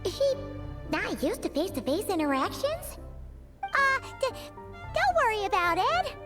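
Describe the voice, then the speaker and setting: A shrill, cheeky little companion creature. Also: female voice, sing-song, music in the background. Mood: awkward. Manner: cheeky, quick to scold and fret. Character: tiny floating female companion creature, chirpy, blunt. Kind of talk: video game voice acting.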